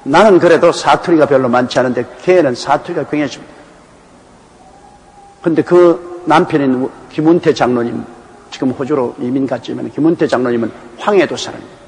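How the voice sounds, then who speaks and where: A man's voice: mid-range voice, brisk, big-room sound, low-quality recording. An older man from the Gyeongsang region of Korea, a pastor preaching a sermon that explains a Bible passage in a conversational, anecdotal way. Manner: animated, emphatic delivery.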